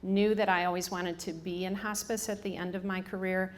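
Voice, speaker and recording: A brisk woman in her fifties with a strong Michigan accent and a fairly low, fairly flat voice. She works for a hospice and is giving a casual talk to a live audience in a room, full of ums and restarts.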